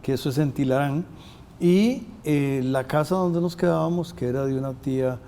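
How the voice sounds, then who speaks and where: An older man from Costa Rica hosting a university interview program, talking in a halting way with many filler sounds. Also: on the high side, mellow. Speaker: host.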